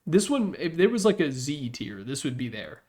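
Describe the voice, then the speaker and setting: This man's fairly high voice has a sing-song lilt and a darkish tone, delivered at normal speed. He hosts a casual, rambling ranking of game announcer packs, candid, blunt and sweary. He's recording in his room with a Yeti desktop mic.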